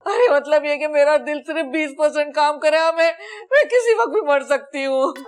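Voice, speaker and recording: A woman's voice: sits high, brisk, close to an everyday voice. An actress playing an older, melodramatic mother-in-law who wails and complains about her health. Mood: wailing. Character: older mother-in-law, dramatic, fussy hypochondriac.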